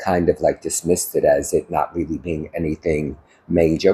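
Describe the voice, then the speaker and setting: His speech moves at a moderate pace. The man talks with a New York accent. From New York City, the Bronx. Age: 60s. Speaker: vlogger. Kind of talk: casual storytelling monologue. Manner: conversational, many fillers.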